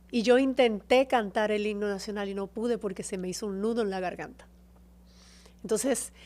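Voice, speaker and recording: A woman telling stories as a podcast guest, warm and expressive about her career and her home country. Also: on the high side. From Dominican Republic. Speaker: guest, actress and TV presenter. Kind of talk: casual interview chat.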